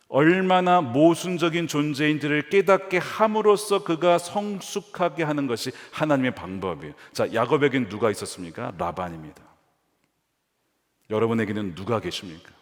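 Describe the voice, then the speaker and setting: Lively Korean pastor preaching in a church hall. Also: male voice, a little high. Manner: rhetorical questions to the congregation, swinging between emphatic and hushed. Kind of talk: sermon. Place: large church sanctuary. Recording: long hall reverb of a church.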